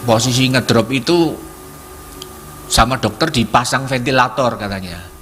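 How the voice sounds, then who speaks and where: A middle-aged man giving a testimony at a church prayer service, halting and repeating himself as he searches for words. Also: mid-range voice, a bit bright. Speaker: congregation member giving testimony. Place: church hall. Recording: church service with music playing behind.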